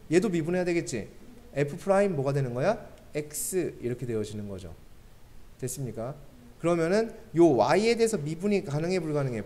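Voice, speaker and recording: A man's voice: a little high, a little mellow. A man teaching a math class, often checking in with the students and adding joking asides. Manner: keeps checking understanding with quick questions to students; joking asides between explanations.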